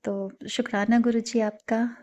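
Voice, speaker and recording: Brief: woman, earnest devotional testimony, mellow and level delivery, English words mixed into her Hindi. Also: fairly high pitch, level tone, unhurried. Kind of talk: personal spiritual testimony.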